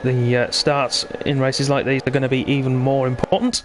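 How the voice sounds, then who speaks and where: A man's voice: medium pitch, level tone, normal speed, crowd noise. A man hosting live esports racing commentary in a chatty, conversational way, bantering with his co-commentator. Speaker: sim racing commentator and host.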